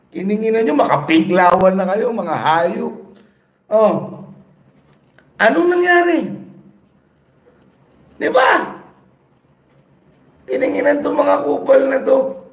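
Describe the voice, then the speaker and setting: High-voiced man ranting and swearing. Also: echoey room. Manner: angry, mocking, swears constantly, rhetorical questions. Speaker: political vlogger. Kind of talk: profane ranting commentary. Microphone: cellphone.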